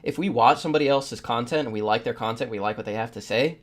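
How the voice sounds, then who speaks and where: A man's voice: medium pitch, fast talker. A man co-hosting a podcast, talking casually in a discussion. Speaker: podcast co-host.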